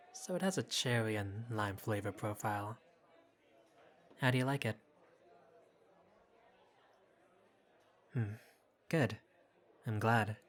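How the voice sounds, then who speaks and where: A man's voice: lowish voice, fairly bright tone, lightly acted. A man playing a flirty, easygoing bartender who teases and chats with a patron in an audio roleplay. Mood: playful, pleased. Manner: playful, teasing, casual. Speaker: bartender character. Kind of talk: intimate audio roleplay, conversational acting.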